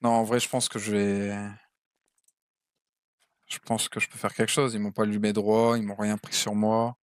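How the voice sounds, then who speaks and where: A man's voice: lowish voice, level tone, moderate pace, clear, resonant tone. A male streamer talking casually out of character to his viewers, with frequent hesitant restarts.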